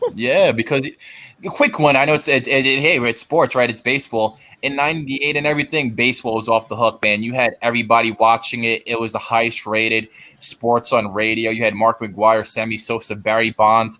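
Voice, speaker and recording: Speaking at a fairly quick pace with a New York accent, a man has a medium pitch, a bright, sharp tone and fairly even intonation. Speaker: sports streamer. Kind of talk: casual chat. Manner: fast.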